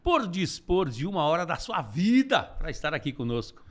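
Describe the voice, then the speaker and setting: A man's voice: on the high side, very animated, normal speed, fairly bright tone. A man hosting a podcast, thanking his guest and giving short, encouraging replies. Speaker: podcast host. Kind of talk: casual podcast conversation.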